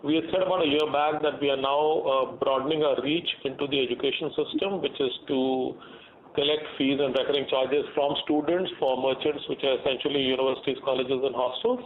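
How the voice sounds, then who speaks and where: A man's voice: mid-range voice, fairly even intonation, a little fast. A man with an Indian accent explaining business matters as a company executive on an earnings call. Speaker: company executive answering investor questions. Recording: muffled phone-like conference line with faint noise.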